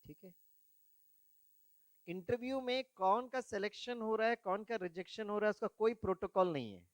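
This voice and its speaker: A man's voice: high-pitched, normal speed, dry recording. A man giving a spiritual talk to young people, telling stories from his own life, asking the audience questions and mixing English words into Hindi. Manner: storytelling, asks the audience questions. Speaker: spiritual speaker.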